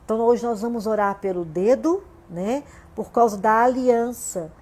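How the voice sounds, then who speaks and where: A woman's voice: fairly high pitch, moderate pace, a little mellow. A Brazilian woman pastor with a Brazilian Portuguese accent, preaching a conversational livestream sermon from home and often asking "né?". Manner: conversational preaching, frequent "né?" and "gente".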